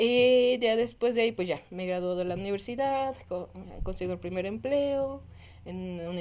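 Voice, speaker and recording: Lively intonation marks a woman's speech at a medium pitch. She talks at a fairly slow pace. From Mexico, Tlaxcala. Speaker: customer support team lead, electronics engineer. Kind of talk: interview.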